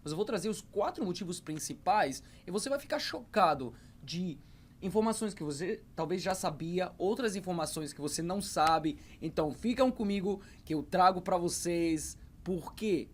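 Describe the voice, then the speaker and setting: A man's voice: high voice, animated, moderate pace, slight background noise. A man in his thirties, an English teacher speaking to camera, hesitant, with many fillers and repeated words. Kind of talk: talking to camera about learning English.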